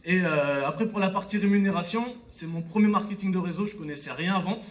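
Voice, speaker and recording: A young man in his twenties delivers a motivational speech from a stage, picked up from some distance. His voice sits high for a man, and he talks straight to his listeners with personal anecdotes and frequent short check-ins. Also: fast talker, lo-fi sound. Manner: direct audience address with repeated check-in tags. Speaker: motivational speaker at a network marketing conference. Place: on stage in a conference hall. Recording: live stage talk, distant from mic.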